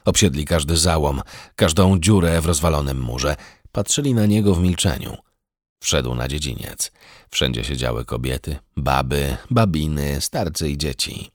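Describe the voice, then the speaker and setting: A man narrating a historical novel as an audiobook, in a measured, steady, dramatic storytelling manner. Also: extremely low pitch, no room sound, studio quality.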